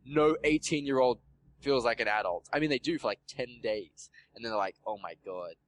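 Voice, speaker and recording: A man's voice: medium pitch, fairly quick, no room sound, poor audio. A man hosting a podcast in casual chat, rambling and filling his talk with "like", swearing now and then. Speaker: podcast host.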